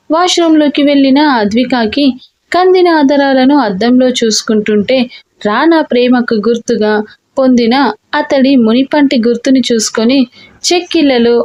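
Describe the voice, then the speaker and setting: A woman storyteller narrating a romantic audiobook story in a steady, expressive reading. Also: high-pitched, lo-fi sound.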